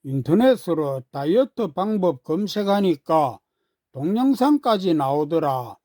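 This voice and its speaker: A woman voices a gentle mother from a children's tale. She explains things patiently and fondly, at a slow pace, in a dry recording. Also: lowish voice, big pitch swings, dry recording. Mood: explaining. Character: gentle mother newly resolved to get in shape.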